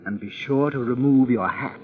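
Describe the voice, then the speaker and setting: An actor playing a chatty courtier who confides about court etiquette in an old radio drama. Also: male voice, mid-range voice, moderate pace, very noisy, lightly acted. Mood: confiding. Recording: distant, dull lo-fi radio recording.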